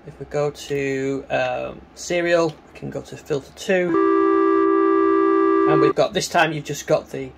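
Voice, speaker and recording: A man giving a casual, hands-on synthesizer demonstration, talking in a halting way as he works. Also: a little high, steady tone, gravelly, loud music behind the voice. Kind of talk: casual hands-on gear demo commentary. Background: synthesizer tones.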